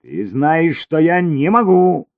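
A man's voice: low-pitched, fairly even intonation, normal speed, no room sound, close to an everyday voice. A man reading an audiobook voices a domineering, hot-tempered man who barks orders in a raised voice. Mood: angry. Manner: barking, commanding. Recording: tinny phone-like recording.

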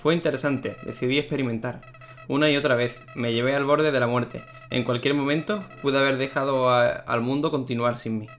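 A creepy talking flower with no feelings left, once a little boy, as a gamer reads him out, medium-pitched and plain, told like a story, faint game music behind. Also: steady tone, fairly quick, a bit bright, natural voice. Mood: somber.

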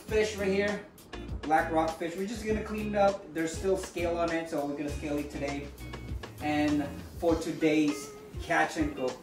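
A man's voice: on the high side, echoey room. A man in his thirties hosting a cooking vlog from his home kitchen, talking casually to viewers and laughing often. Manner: chatty, laughs often, addresses viewers as guys. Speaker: fishing and cooking channel host. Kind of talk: casual vlog talk to camera.

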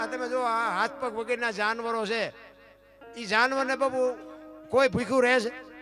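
High-voiced folk storyteller man. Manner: folksy, rhetorical, addresses listeners as bapu. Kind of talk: folk storytelling talk to an audience.

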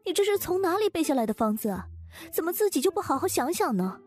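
A woman acting young female medic, high voice, pitying reproach, audiobook drama, music behind. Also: big pitch swings, fast, darkish tone. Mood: pitying, reproachful.

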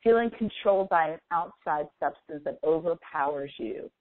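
A woman leading a guided meditation as a coach, speaking in a slow, deliberate, instructive manner with long pauses. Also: deep voice, animated, no room sound. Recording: phone-like thin, band-limited audio.

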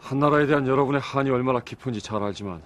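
An actor playing a firm, principled military commander in a historical television drama, speaking in a grave, measured, authoritative manner. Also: male voice, medium pitch, fairly bright tone, lightly acted.

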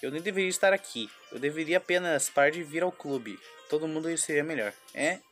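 A man reading a visual novel aloud, voicing a despairing young schoolgirl, halting and restarting words. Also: fairly high pitch, a bit bright, faint music behind, lightly acted. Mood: anxious. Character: despairing young schoolgirl, anxious and self-blaming.

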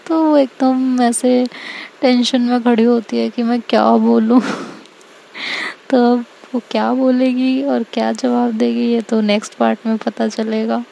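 A woman's voice: on the high side, flat delivery, slow, gravelly, dark tone, poor audio. A woman narrating a romance serial in a chatty, intimate storytelling manner. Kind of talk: casual spoken storytelling.

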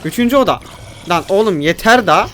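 A man with a high-set voice commentates his gameplay live. He is excitable and slangy, and his delivery breaks into frequent exasperated outbursts. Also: fairly quick.

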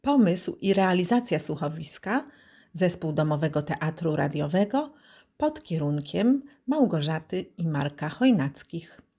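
A woman's voice: low voice, lively intonation, measured pace, mellow, breathy edge. A woman announcer reading a scripted announcement for a radio play.

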